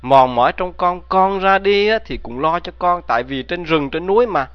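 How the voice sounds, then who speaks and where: A man's voice: high voice, animated, normal speed, smooth, no echo. A man narrating a folk tale, often turning to his listeners with rhetorical questions, in a dull lo-fi recording. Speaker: storyteller.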